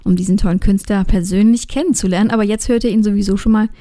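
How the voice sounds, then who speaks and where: A woman hosts a radio interview with an easy, chatty manner. Her voice is mellow and warm, and her sentences are loose and full of fillers. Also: medium pitch, fairly even intonation, fast. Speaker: radio host.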